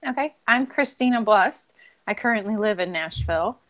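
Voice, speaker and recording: A woman's voice: mid-range voice, lively intonation, normal speed. A woman, a guest on a casual panel chat, introducing herself briefly and a little hesitantly. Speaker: guest, designer.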